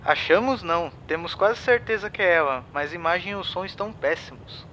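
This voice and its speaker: Man playing an excitable, high-voiced bright crewmate. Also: brisk, highs cut off, a little hiss or hum. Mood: urgent. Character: excitable spaceship crewmate calling the captain.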